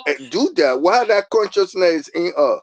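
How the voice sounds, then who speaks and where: A man's voice: high-pitched, expressive, normal speed, muffled recording. Hesitant male radio host asking questions.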